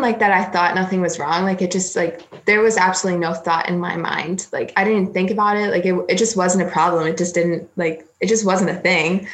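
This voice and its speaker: A woman's voice: lowish voice, a bit bright. A 21-year-old woman speaking candidly as an interview guest, rambling with many fillers. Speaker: interview guest, college swimmer. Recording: roomy echo.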